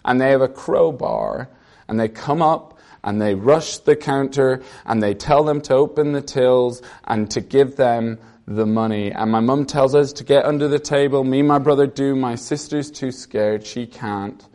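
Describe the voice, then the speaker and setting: A man's voice: medium pitch, moderate pace, a little mellow. A young Irish man preaching a conversational sermon, reading a psalm and telling a story from his childhood. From Ireland. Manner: earnest, conversational preaching with personal stories.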